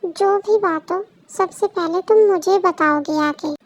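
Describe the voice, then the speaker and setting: A woman's voice: extremely high pitch, a little slow. A woman voicing a stern young husband who scolds his wife firmly in an audio story. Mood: scolding. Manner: scolding, firm. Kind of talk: audio story read-aloud.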